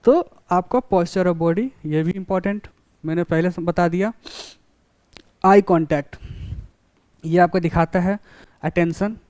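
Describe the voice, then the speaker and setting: A man lectures a college class, his voice smooth and resonant. He walks through points with everyday classroom examples and keeps asking if students follow. The sound is dry and close. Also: sits high, unhurried, pauses often, a little mellow, no echo. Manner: explains with classroom examples, often checks understanding.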